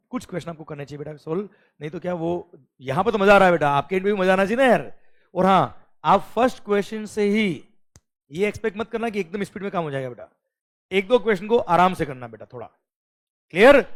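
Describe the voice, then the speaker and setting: An Indian man with a fairly high voice teaches an exam-prep lecture. He mixes English and Hindi, calls his students "beta" and keeps asking if they are clear. He reads the English questions out slowly.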